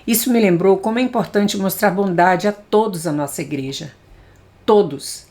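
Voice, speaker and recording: A woman's voice: medium pitch, moderate pace, darkish tone. A Brazilian woman reading a Christian book aloud in the manner of an audiobook. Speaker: audiobook reader.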